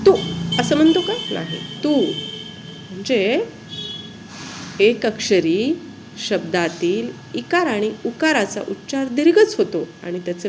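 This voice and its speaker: A woman teacher, giving a spelling lesson slowly and often asking her pupils questions. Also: a little high, darkish tone, a little hiss or hum.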